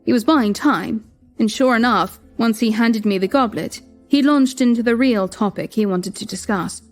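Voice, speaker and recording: Young woman, higher voice, scripted storytelling, soft music underneath. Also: normal speed. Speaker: narrator voicing a queen. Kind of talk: first-person scripted narration. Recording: music bed behind.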